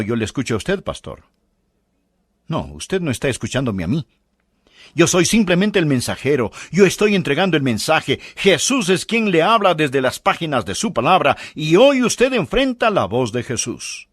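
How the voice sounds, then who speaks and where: A man's voice: fairly high pitch, no echo, clean studio sound. A man preaching a sermon, pressing the listeners with emphatic rhetorical questions.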